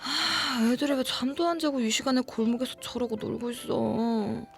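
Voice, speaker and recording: An actress playing a young office worker who recounts an eerie experience in a conversational way, in a horror audio drama. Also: female voice, fairly high pitch, creaky, over music. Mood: drowsy, puzzled. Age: young adult. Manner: conversational, animated narration with drawn-out murmurs and whispers.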